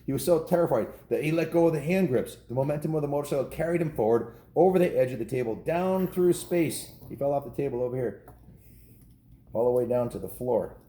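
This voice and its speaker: A man's voice: medium pitch, animated, brisk, dark tone. A man in his fifties with an American accent reads aloud to children, storytelling in a folksy, informal way with casual asides and small self-corrections. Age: 50s. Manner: folksy, informal, often repeats and corrects himself. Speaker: storyteller reading a children's book to kids. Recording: roomy echo with faint background noise.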